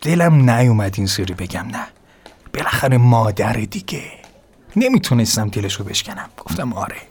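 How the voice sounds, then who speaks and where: A man narrating a comic story in a hushed, half-whispered, intimate way. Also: medium pitch, very animated, slightly rough. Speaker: sketch performer.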